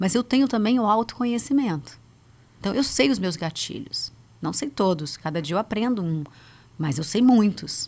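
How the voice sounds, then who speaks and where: Somewhat breathy and at medium pitch, a woman speaks at a moderate pace with very wide pitch swings. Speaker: psychologist. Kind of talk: podcast interview.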